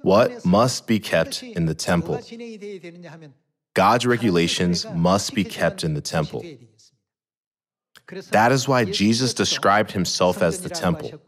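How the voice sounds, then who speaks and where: Deep-voiced man preaching from a pulpit. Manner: measured, asks rhetorical questions and answers them. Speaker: pastor. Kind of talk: sermon. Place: large church hall, at a pulpit. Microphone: podium microphones.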